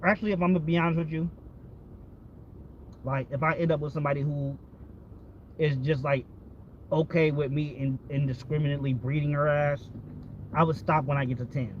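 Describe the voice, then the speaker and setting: An American vlogger talks casually and candidly, rambling, swearing often and repeating himself. His voice is a little high and steady in tone, fairly quick yet broken by long pauses. The audio is dull and lo-fi, with vehicle noise behind him.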